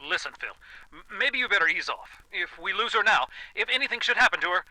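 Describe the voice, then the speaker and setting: A man's voice: sits high, animated, brisk, pushed and bright, dry recording, heavily acted, poor audio. An actor playing a worried, fretful male client in an old-time radio noir drama, speaking hesitantly. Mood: anxious.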